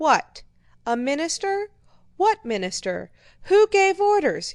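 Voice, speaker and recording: Doing a put-on character voice, a woman goes shrill and extremely high, with very wide pitch swings at a fairly slow pace, in a dry, close sound with no echo. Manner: frowning, demanding, imperious.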